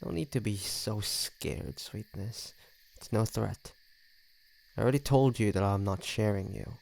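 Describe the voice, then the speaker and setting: Man voicing a smug, creaky low-voiced flirty vampire. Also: measured pace, a little mellow, slight background noise, rough recording. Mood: playful menace. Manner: teasing, smug, sardonic. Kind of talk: scripted audio roleplay addressed to the listener.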